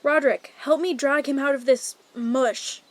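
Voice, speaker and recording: A woman's voice: high-pitched, fairly even intonation, normal speed, natural voice. An actress playing a confident, eager young lady knight in an audio fairy-tale comedy. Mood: determined.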